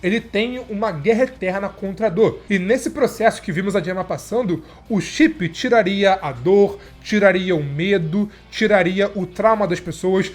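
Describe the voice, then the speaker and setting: A man's voice: sits high, normal speed, hardly any pauses, faint music behind. A Brazilian man with a stuffed nose and sore throat, chatting enthusiastically as he reviews a TV series for his viewers. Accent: Brazilian Portuguese. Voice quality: nasal, stuffy. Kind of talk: casual video commentary.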